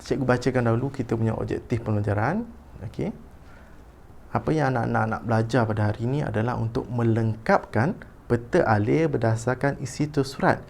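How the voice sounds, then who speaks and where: A man's voice: mid-range voice, gravelly, darkish tone, a little hiss or hum. A man with a Malaysian Malay accent teaching a primary school lesson, often repeating himself with "okey, baik" fillers. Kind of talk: online lesson, reading a textbook.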